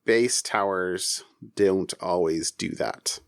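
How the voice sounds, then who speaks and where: A man co-hosting a casual tech news discussion, talking in a halting way as he thinks aloud. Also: low voice, no room sound, clean studio sound. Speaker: podcast co-host.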